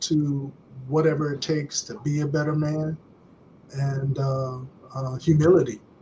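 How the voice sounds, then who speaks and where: A man's fairly high voice, flat and monotone, at a fairly slow pace over noticeable background noise. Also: long, frequent pauses. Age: 60s. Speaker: panel participant. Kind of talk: virtual panel discussion.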